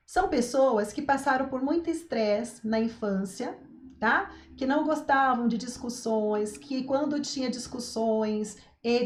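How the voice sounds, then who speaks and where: A woman with a Brazilian Portuguese accent giving a live-stream talk on parenting, animated, acting out what parents say and checking in with her listeners. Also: fairly high pitch, echoey room. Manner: animated, acts out parents' lines, frequent "tá?" check-ins. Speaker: parenting coach.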